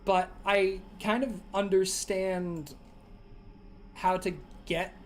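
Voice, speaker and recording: A man's voice: sits high, fairly even intonation, slow, slight background noise. A young man streaming a game, chatting casually and rambling through ideas with a dry throat. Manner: rambling, lots of fillers and restarts. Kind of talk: casual gaming stream chat.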